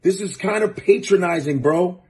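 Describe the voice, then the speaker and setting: A man's voice: high-pitched, moderate pace, a little mellow. A man hosting a show, giving blunt, profane, fired-up commentary in casual talk. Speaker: host.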